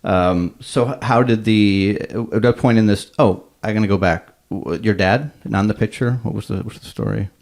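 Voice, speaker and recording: A man hosting a podcast, easygoing and wry, often answering with quick "right"s. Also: fairly low pitch, creaky, darkish tone. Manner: easygoing, many "right" backchannels, wry joking. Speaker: podcast host. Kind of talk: casual interview chat. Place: Columbus, Ohio.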